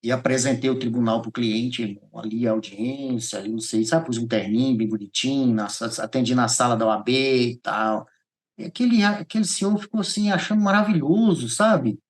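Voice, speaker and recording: Man, Goiás Brazilian accent, middle-pitched voice, podcast guest, animated storytelling, repeated phrases. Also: brisk. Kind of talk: personal testimony in a podcast interview.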